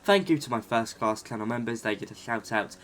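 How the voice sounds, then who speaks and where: A man's voice: mid-range voice, a little fast, fairly bright tone. A man hosting a flight sim news roundup, chatty and upbeat, sounding a little blocked up with a cold. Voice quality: slightly nasal, congested. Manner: chatty, enthusiastic, with asides.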